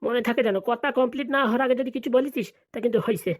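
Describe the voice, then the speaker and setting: A woman's voice: fairly high pitch, steady tone, lightly acted. A woman voicing a scheming, money-hungry village father in a comedy cartoon, scolding and bantering. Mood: scolding, impatient. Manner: rapid, colloquial, bantering scolding.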